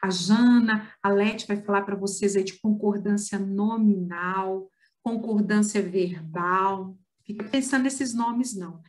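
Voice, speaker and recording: A Brazilian woman teaching an online writing lesson, explaining patiently and slowing down to stress example words. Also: mid-range voice. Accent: Brazilian Portuguese.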